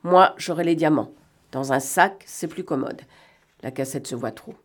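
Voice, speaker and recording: A woman reading aloud and voicing a cunning male gentleman thief who talks in a mocking, bantering way and snaps out brisk orders. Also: low voice. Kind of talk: audiobook reading.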